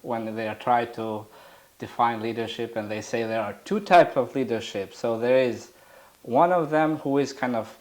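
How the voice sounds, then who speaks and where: Halting Albanian-accented male interviewer. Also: medium pitch, steady tone, a little mellow. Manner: halting, searching for words. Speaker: interviewer, host. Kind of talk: interview questions.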